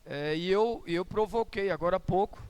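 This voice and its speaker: A man with a high, clear and resonant voice delivers a sermon as pastor. He preaches in a relaxed, conversational way, mixing humor and everyday stories into the message. The voice carries the easy warmth of someone talking directly to a church congregation. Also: normal speed.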